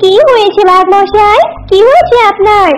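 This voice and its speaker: A woman voicing a small, anxious, polite tailorbird in an animated fable, excitable and deferential. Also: extremely high pitch, moderate pace, soft background music, voice pushed up. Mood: friendly, curious. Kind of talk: animated fable character acting.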